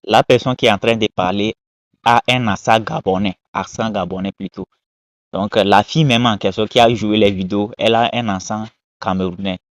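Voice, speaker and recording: A man's voice: lowish voice, steady tone, normal speed, no room sound. A man giving casual, emphatic commentary on viral videos, repeating his points and moralizing. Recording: dull lo-fi dry sound.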